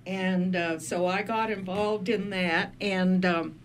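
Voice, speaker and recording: An older woman with a Maine accent, a retired minister, talking as a guest on a radio show in a thoughtful, unhurried way with frequent pauses. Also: fairly low pitch, steady tone, a little hiss or hum. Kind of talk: casual radio conversation.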